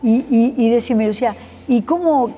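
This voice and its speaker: A woman with an Argentine accent interviewing casually, with informal, halting questions and frequent interjections. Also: on the high side, warm tone, faint music behind.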